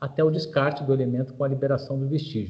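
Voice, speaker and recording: A man's somewhat breathy voice holds a medium pitch, and his intonation stays fairly even. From Brazil. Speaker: lawyer. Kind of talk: webinar presentation.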